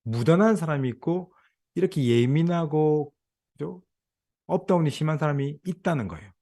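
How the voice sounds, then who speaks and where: Middle-aged male lecturer, animated delivery, chatty with the room. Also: on the high side, moderate pace. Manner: conversational, asks audience questions. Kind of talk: lecture to counselors.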